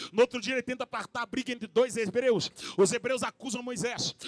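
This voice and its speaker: Animated in tone, a man speaks at an extremely high pitch, heard in a dry, close sound with no echo. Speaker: pastor. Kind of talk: sermon.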